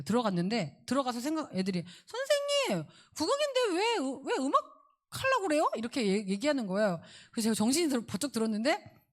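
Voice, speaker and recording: A middle-aged woman giving a parent education lecture, animated and acting out children's voices as she explains. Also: medium pitch.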